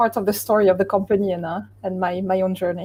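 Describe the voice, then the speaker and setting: In a French accent, a woman speaks at a very fast pace. Her voice is somewhat breathy, medium in pitch, with a dark, mellow tone. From France. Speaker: tech startup founder and CEO. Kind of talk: interview.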